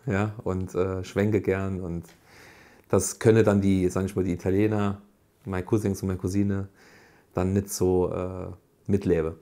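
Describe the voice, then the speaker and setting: A man in his thirties with a Saarland accent, talking in a halting interview with many fillers. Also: low-pitched, little pitch movement, warm tone. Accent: Saarland German. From Germany (Saarland). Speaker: restaurant co-owner. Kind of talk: interview statement.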